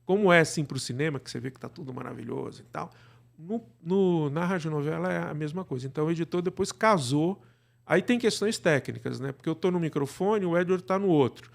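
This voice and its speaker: A Brazilian man talks as a guest in an interview, explaining his work as a director. His voice sits a bit high for a man and carries a lot of gravelly fry. He often ends phrases with small tags seeking agreement. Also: fairly quick.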